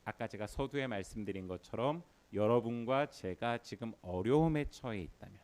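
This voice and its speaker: A man's voice: lowish voice, normal speed, a little mellow. A man preaching a Sunday sermon as pastor, leading the congregation in call-and-response. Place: church sanctuary during worship.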